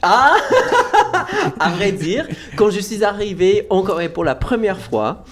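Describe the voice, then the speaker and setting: An American man from Vermont, a native English speaker, hosting a casual interview in an enthusiastic, halting way, with an American accent and some Québécois French. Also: sits high, animated. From United States, Vermont. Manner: enthusiastic, hesitant with restarts. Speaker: host.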